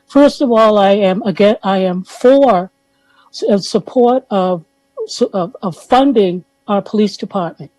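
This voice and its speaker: A woman at a medium pitch and a fairly slow pace, with lively intonation, a dry, close sound with no echo, and music in the background. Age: 60s. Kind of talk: public testimony. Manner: halting.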